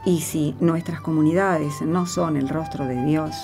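A woman's voice: low-pitched, steady tone, measured pace, music in the background. A woman with an Argentine accent speaking in a conversational radio drama style. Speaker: cast member of a religious radio show.

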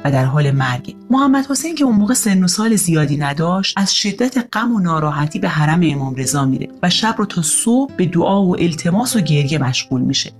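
A woman narrating a children's story in an expressive, animated way. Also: lowish voice, few pauses, faint music behind.

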